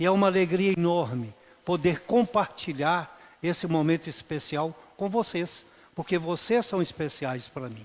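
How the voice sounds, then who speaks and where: A man's high-pitched voice at a fairly slow pace, with lively intonation. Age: 60s. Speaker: pastor. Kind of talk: sermon. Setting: church.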